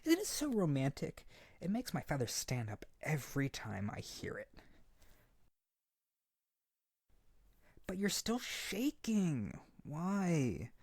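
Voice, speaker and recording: A man's voice: a little high, a little slow, breathy edge, no echo, full character voice. A man playing a hyper, naive and desperate harpy boy in an ASMR character roleplay, earnest and pleading. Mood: anxious, pleading. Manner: pleading, excitable, stammering, earnest.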